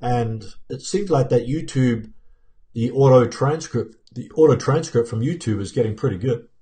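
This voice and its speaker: Man with a mellow New Zealand accent. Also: mid-range voice, moderate pace. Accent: New Zealand, softened by years in America. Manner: rambling, many fillers and restarts, reads out viewer comments. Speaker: YouTube channel host answering live chat. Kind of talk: live-stream Q&A, casual. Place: home office room with plants and pictures, indoors. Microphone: webcam framing at desk.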